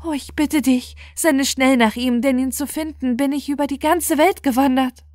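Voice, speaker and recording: A woman's voice: sits high, steady tone, moderate pace, darkish tone, no room sound, clean studio sound, voice pushed up, close to an everyday voice. A woman voicing a heartbroken beggar mother in a fairy tale, imploring and emotional. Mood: joyful pleading. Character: pleading, heartbroken beggar woman seeking her lost son.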